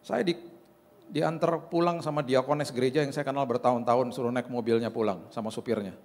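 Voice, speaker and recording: A male pastor preaching a sermon in a church hall, animated and colloquial, acting out quoted dialogue as he goes. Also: medium pitch, brisk.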